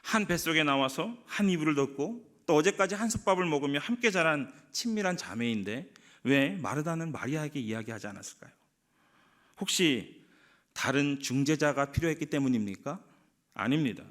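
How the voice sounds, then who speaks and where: Guy preaching, sermon voice, keeps asking the crowd questions, pitch all over the place. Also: animated, fairly quick, a bit bright. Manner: rhetorical questions to the congregation, voicing quoted characters. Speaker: pastor.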